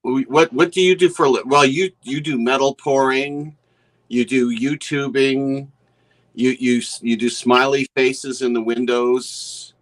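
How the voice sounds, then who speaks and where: A man's voice: mid-range voice, fairly even intonation, unhurried. Joking older man hosting a stream. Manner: teasing, dry jokes, hesitant restarts; reads viewer comments aloud. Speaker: stream host. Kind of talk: casual chat.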